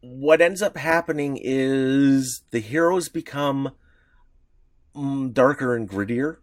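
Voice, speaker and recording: A man's voice: medium pitch, slow pace, no echo, studio quality. A man co-hosting a podcast, chatting casually about comics history, rambling with lots of fillers and restarts. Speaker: podcast co-host.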